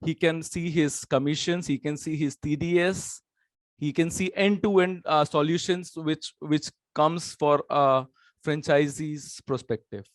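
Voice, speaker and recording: A man's voice: a little high, fairly even intonation, measured pace, no room sound. Man from Hong Kong, Chinese accent, dry sound. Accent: Chinese-tinged. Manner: repeats words, earnest. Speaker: company founder. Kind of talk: business pitch talk.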